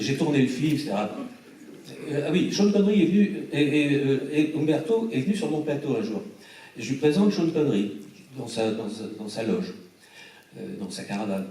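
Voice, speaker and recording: A film director telling lively anecdotes to a cinema audience, acting out the voices of the people he quotes. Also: mid-range voice, noisy background. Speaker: film director presenting his film. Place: large cinema hall before a screening. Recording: very echoey hall, voice from far off.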